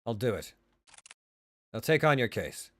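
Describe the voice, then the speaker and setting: A man voicing a reserved, gruffly kind male detective in a visual novel, speaking in a terse, matter-of-fact way. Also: mid-range voice, big pitch swings, unhurried, a bit bright. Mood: reassuring.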